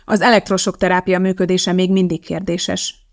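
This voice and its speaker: A woman's voice: on the low side, level tone, close to an everyday voice. A woman reading the part of a precise, blunt woman chemist, lecturing in a matter-of-fact way. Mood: earnest.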